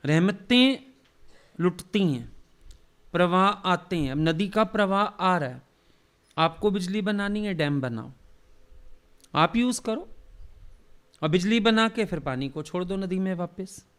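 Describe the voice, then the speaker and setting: Male spiritual teacher, somewhat high pitch, storytelling sermon, acts out quoted dialogue. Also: expressive, measured pace, long pauses, a bit bright, clean tone. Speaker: spiritual teacher leading a satsang.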